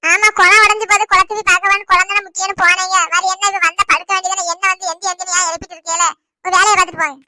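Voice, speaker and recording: A woman voicing an irritable, sick village wife in a cartoon, with a Tirunelveli Tamil accent and a complaining, sharp-tongued manner. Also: little pitch movement, very fast, no room sound, full character voice. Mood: irritated. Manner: scolding, complaining, shrill. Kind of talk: cartoon voice acting.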